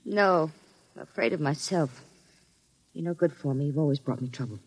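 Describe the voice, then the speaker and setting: A woman's voice: deep voice, moderate pace, slightly rough, no room sound, rough recording. An actress playing a frightened young woman, a gangster's former girlfriend, who speaks tensely and fearfully in a vintage radio drama. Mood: guarded. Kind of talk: 1940s radio acting.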